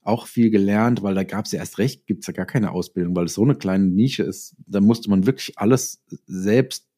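Low, mellow-voiced man reflecting haltingly. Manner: halting, self-correcting, reflective storytelling. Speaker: interview guest, audio drama writer and author. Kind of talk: conversational interview.

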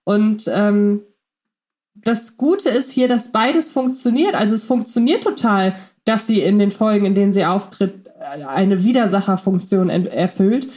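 A woman's voice: medium pitch, measured pace, a little mellow. A woman co-hosting a casual fan podcast, reflecting in long winding sentences full of fillers. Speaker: podcast co-host.

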